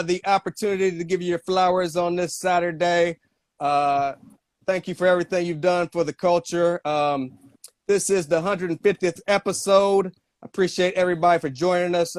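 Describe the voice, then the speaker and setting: A man hosting an interview podcast, earnest and halting, with many fillers as he sets up questions. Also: high voice, dry recording, clean studio sound. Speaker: podcast host.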